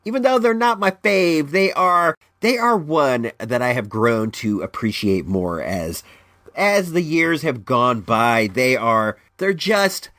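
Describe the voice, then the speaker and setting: A man's voice: medium pitch, takes it slowly, no room sound, studio quality. Stuffed-up rambling podcast host, man. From Northern California. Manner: rambling, lots of restarts, animated ups and downs. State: stuffed-up nose from allergies. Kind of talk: casual solo podcast chat.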